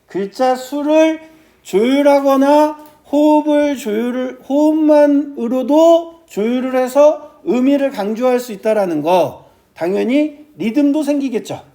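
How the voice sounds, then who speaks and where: A male teacher giving a classroom lecture on classical poetry, often checking with his students and reciting verse slowly. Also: very high-pitched, warm tone. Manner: keeps starting with "ja", asks students quick checking questions.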